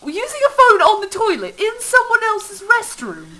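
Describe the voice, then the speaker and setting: Figure: haughty young boy earl, played by a woman. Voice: high and bright. Style: in-character gaming banter, teasing, bursting into laughing shouts. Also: wildly swooping pitch, normal speed, a little hiss or hum, exaggerated voice. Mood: amused. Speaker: channel host.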